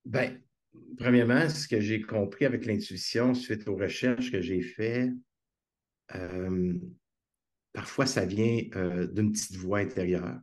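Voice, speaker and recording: A man with a Québécois French accent speaks slowly in a lowish register. He's a guest on a video call, telling stories in a conversational interview with earnest enthusiasm.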